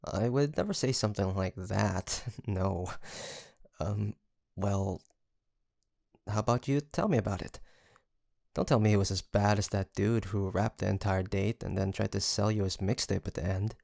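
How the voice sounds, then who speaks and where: A man's voice: on the low side, normal speed, gravelly, a little mellow, dry recording, clean studio sound. A man playing a sweet young male roommate and best friend in an intimate roleplay audio, teasing and chatty with a playful storytelling streak. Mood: teasing, soft. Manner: teasing, chuckling, mock-grandiose storyteller.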